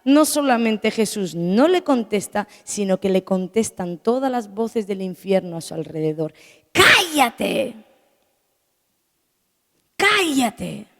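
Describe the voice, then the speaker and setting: A woman pastor preaching a sermon with passion, moving between hushed and loud emphatic lines. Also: medium pitch, lively intonation, normal speed, hardly any pauses. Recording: long echo of a church hall.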